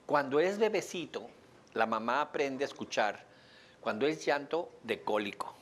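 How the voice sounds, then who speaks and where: A man with a Mexican accent giving a lively lecture to a live audience, joking and asking them questions. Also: medium pitch, moderate pace. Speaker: speaker teaching an audience.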